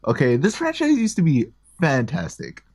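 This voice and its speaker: A man's voice: a little high, huge pitch swings, moderate pace, gravelly, darkish tone, no echo, studio quality. A man from the United States, a guest on a gaming podcast, joking casually and saying "like" a lot. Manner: joking, peppers talk with "like". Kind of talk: casual chat.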